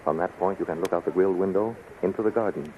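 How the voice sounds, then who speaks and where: A man's voice: low voice, fast, natural voice. An actor playing a loyal Hawkman captain in a 1930s radio serial, firm, formal and consoling. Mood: resolute. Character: loyal, resolute Hawkman captain, reassuring soldier. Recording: scratchy, tinny 1930s radio recording.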